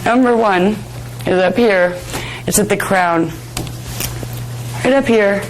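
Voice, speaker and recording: Slightly hoarse woman teaching a workshop. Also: mid-range voice, slow, a little hiss or hum, rough recording. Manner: conversational, chatty, self-deprecating asides. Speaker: workshop instructor. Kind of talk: informal workshop lecture with demonstration. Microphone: worn or held microphone close to the face.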